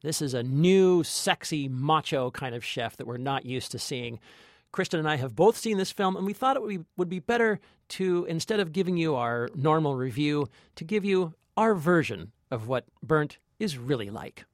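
A man's voice: on the high side, expressive, moderate pace, no echo. A man chats about films as a podcast critic, recorded close and dry. His delivery is enthusiastic and casual, with repeated words as he gathers his phrasing. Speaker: podcast co-host, film critic. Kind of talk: casual film review chat.

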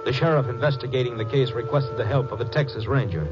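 A man with an American accent giving formal, measured scripted narration for a 1950s radio drama. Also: mid-range voice. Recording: muffled 1950s radio recording. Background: dramatic music.

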